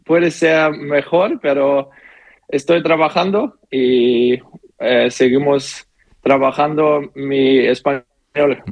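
This is a young man taking interview questions, his speech unhurried and full of pauses as he reaches for words in a language not his own. The sound is dry and close, with no room around it. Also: medium pitch, no echo, rough recording. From Austria. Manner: halting non-native speech, many pauses and fillers. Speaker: footballer guest. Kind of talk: phone interview answers.

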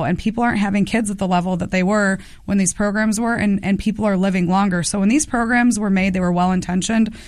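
A woman's voice: mid-range voice, a little mellow, no echo, clean studio sound. A woman in her thirties, a congressional candidate, answering policy questions in a radio interview with assertive talk. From United States. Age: 30s.

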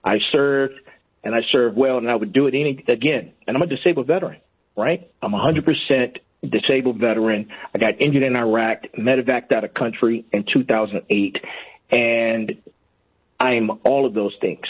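A man's voice: mid-range voice, moderate pace, slightly rough. A man calling in to a radio show, speaking earnestly and repeating himself for emphasis. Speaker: caller. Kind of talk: call-in radio. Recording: tinny phone line.

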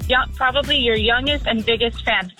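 A woman's voice: a little high, moderate pace, pushed and bright, soft background music, low-quality recording. A woman calling in to a radio show while driving, talking in a friendly, chatty way. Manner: friendly and talkative, laughs easily. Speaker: radio caller. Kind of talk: casual phone-in chat. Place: driving in a car.

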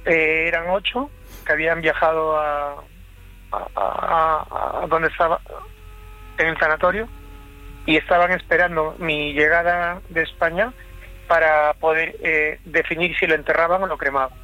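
A man from Chile calling in to a late-night radio show, telling a family story in a halting, reflective way. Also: on the high side, fairly even intonation, bright, forceful tone, muffled recording. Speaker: caller.

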